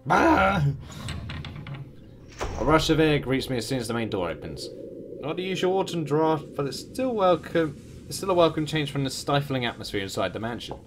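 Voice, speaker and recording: A man reading a visual novel aloud as the streamer, expressive, with his own asides. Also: a little high, fairly quick, background noise. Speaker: game streamer.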